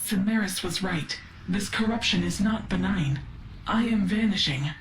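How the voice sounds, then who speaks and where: A woman's voice: medium pitch, a little hiss or hum, natural voice. A woman voicing a curious, formal artificial intelligence with a failing memory in a video game. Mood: confused, wistful. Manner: measured, formal, analytical. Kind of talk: scripted video game dialogue. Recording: roomy echo under clear music.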